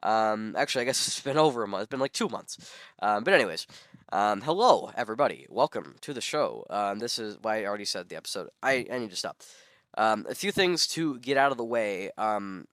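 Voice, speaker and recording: A young man with a sick, hoarse voice hosting his solo podcast, rambling with many ums and self-corrections. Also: on the low side, lively intonation, a little fast, a bit bright, no room sound, clean studio sound. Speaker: podcast host.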